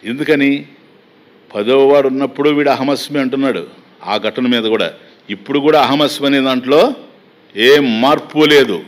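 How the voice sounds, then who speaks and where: Man giving a slow, chanting spiritual discourse. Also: medium pitch, fairly bright tone. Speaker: Vedanta teacher. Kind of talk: Telugu spiritual discourse with Sanskrit verse.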